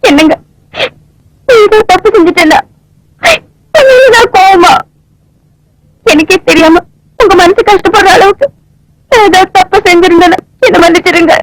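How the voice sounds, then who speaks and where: An actress in a 1980s film drama playing a gentle, anxious young wife who speaks pleadingly. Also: female voice, extremely high pitch, brisk, poor audio.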